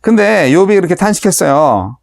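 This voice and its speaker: A man's voice: sits high, very animated, fairly quick, creaky, no echo, clean studio sound. A man, a pastor, giving a daily Bible teaching in a conversational preaching style, asking the listeners rhetorical questions.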